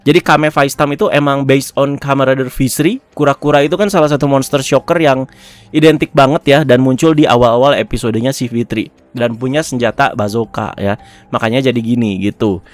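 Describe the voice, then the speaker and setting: Man, fairly high voice, casual episode review, chatty, dry close mic. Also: dry recording. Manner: chatty, ends phrases with tag words, chuckles often.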